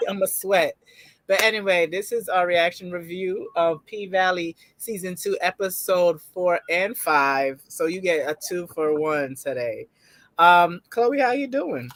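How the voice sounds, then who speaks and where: Lively chatty woman reviewing TV. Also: on the low side, a little slow. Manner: laughs a lot, loose and chatty with slang. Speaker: co-host of a TV review show. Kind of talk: casual chat review.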